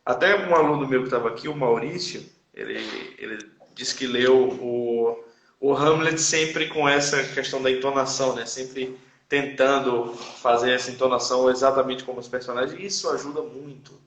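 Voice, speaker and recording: A man's voice: mid-range voice, steady tone, normal speed, a bit bright. Brazilian man teacher in an echoey room. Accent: Brazilian Portuguese. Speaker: guest, teacher. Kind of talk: casual chat. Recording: roomy echo.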